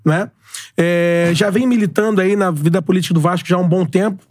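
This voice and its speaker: A man's voice: sits high, brisk, darkish tone, dry recording. A man, a guest in a podcast interview who talks earnestly and repeats his points. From Brazil. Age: 40s. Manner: earnest, repeats himself, speaks in slogans. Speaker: guest, club presidential candidate.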